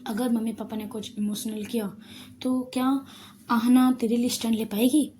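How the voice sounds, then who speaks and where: A woman's voice: a little high, fairly even intonation, normal speed, mellow, breathy edge. A woman voicing a playful anxious young sister. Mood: earnest.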